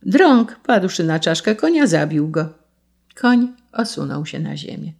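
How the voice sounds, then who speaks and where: A woman narrating a fairy tale in a slow, measured storybook reading. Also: sits low, very animated, vocal fry, a little mellow.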